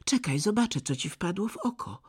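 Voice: medium pitch, sing-song, fairly quick, husky, voice pushed up. A storyteller voicing a kind little girl who speaks with tender concern, in a storybook reading. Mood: caring. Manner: worried, tender. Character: gentle caring little girl.

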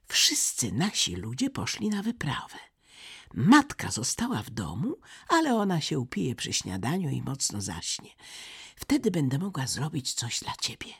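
A storyteller voicing a fierce, bossy young robber girl who talks loud and threatening, in a husky, creaky voice. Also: mid-range voice, huge pitch swings, moderate pace, heavily acted.

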